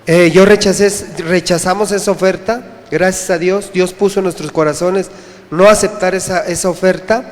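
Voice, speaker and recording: A man's voice: high-pitched, steady tone. Earnest man giving testimony in a hall. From Mexico. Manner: earnest, halting, repeats words. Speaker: church member giving testimony. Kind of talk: personal testimony. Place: church congregation. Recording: echoey church hall.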